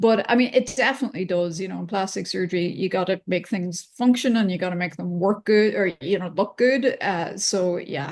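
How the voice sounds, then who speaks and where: Over a quiet background, a woman with a slight Irish accent talks at a fairly quick pace and medium pitch, her pitch varying in an ordinary way. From Ireland. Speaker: plastic surgeon. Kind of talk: casual interview.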